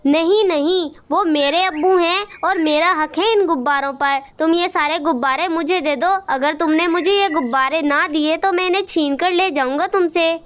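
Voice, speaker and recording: A woman's voice: very high-pitched, moderate pace, hardly any pauses, fairly bright tone. A woman voicing a greedy, bossy crow boy in a cartoon, taunting and demanding.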